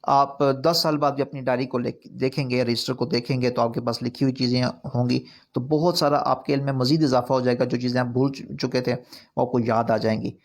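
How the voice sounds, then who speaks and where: A man's voice: medium pitch, little pitch movement. A man teaching an online recitation course, explaining points earnestly and repeating them with rising emphasis. Urdu is not his first language.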